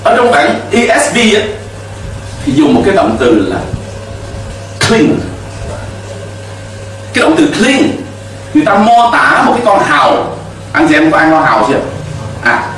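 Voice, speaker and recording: A man's voice: sits high, huge pitch swings, unhurried, pauses often, fairly bright tone, heavy reverb, recorded from a distance, a little hiss or hum, low-quality recording. A middle-aged man preaching a sermon from a church pulpit into a handheld mic, emphatic, with call-and-response to the congregation. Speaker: pastor. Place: church stage with pulpit and cross.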